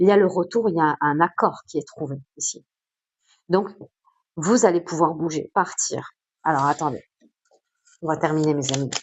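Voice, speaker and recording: A woman's fairly low, animated voice with ordinary pitch variation. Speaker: tarot card reader. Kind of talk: tarot reading. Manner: fast.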